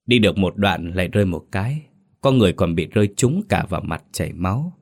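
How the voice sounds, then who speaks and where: Deep-voiced storyteller man. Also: animated, fast talker, creaky, a little mellow. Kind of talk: scripted ghost story narration.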